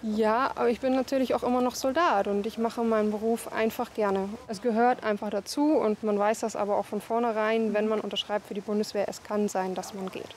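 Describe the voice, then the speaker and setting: A woman's voice: medium pitch, steady tone, a little fast, hardly any pauses, a little mellow, a little hiss or hum. Young woman talking in a casual interview. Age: 20s. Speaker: soldier and mother being interviewed. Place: outdoors, at a training range and in a garden.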